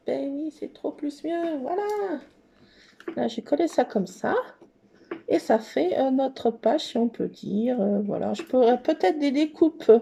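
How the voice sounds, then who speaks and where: A bubbly woman hosts a casual craft tutorial from her work table. Her fairly high voice has a gravelly edge, and her tone stays mellow as she chats away and mutters to herself while she works. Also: a little hiss or hum. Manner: chatty, talks to herself while working; bubbly, gushing. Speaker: scrapbooking channel host.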